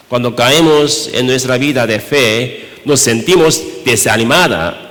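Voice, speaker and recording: A Korean pastor with a Korean accent preaches a sermon in Spanish, his mid-range voice slightly bright. He speaks haltingly and poses many rhetorical questions in a reverberant church hall.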